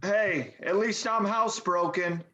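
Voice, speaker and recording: A man's voice: sits high, fairly even intonation, a little slow, pushed and bright. A man playing a laid-back but indignant stoner slacker, hesitant and slangy, in a table read. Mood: wry. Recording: dull, muffled online-call audio.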